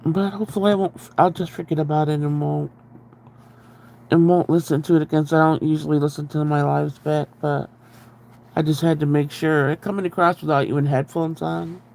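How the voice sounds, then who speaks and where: Congested, nasal man with a gravelly edge. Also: fairly high pitch, little pitch movement, brisk, darkish tone. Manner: chatty, rambling, greets viewers. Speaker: livestream host. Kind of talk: casual livestream chat. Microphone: very close to the microphone, breathing audible.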